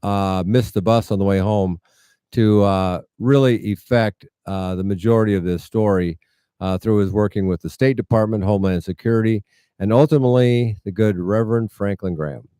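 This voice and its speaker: A middle-aged American man with a Midwestern accent and a fairly low, smooth voice. He tells his story earnestly with wry humor, close and dry, as a guest in an interview. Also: normal speed, warm tone, no echo. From United States, rural Iowa. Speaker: interview guest, medical mission founder. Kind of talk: conversational storytelling.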